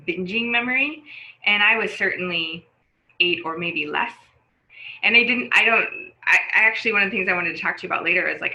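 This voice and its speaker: A woman's voice: mid-range voice, vocal fry, pushed and bright, dull audio. A woman in her forties talking as a podcast guest, chatty and rambling, with lots of fillers and restarts. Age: 40s. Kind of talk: casual conversation.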